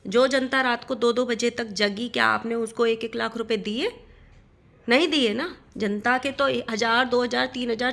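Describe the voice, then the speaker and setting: Woman, middle-aged, vlog rant, indignant, rhetorical questions, bright tense tone. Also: on the high side, vocal fry. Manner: indignant, rhetorical questions, repeats phrases for emphasis. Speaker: vlogger. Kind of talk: ranting vlog addressed to another creator.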